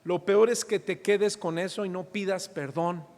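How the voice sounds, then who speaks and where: A man's voice: sits high, steady tone, measured pace, a little mellow. A middle-aged Mexican man preaching a sermon as pastor, asking the congregation questions and acting out little scenes from family life. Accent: Mexican Spanish. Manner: preaching with rhetorical questions and acted-out anecdotes. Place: church hall. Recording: reverberant church hall.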